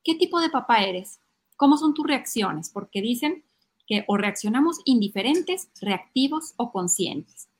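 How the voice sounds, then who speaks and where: A woman's voice: on the high side, unhurried, breathy edge. A middle-aged woman giving parenting advice on a podcast, acting out little family scenes. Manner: lively, acts out child and parent voices. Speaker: podcast guest speaking on parenting.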